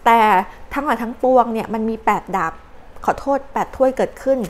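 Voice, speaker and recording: A woman's voice: on the high side, steady tone, brisk, slight background noise. Chatty woman doing a tarot reading. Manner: chatty, with polite particles and acted quotes. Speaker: tarot card reader. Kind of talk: casual spoken tarot reading.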